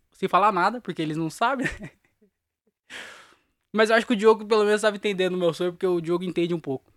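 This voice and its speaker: A man's voice: sits high, fairly bright tone, no echo, studio quality. A young man, hosting his podcast alone and telling a long, rambling story in slangy talk, laughing at himself. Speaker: podcast host. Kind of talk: casual solo podcast storytelling.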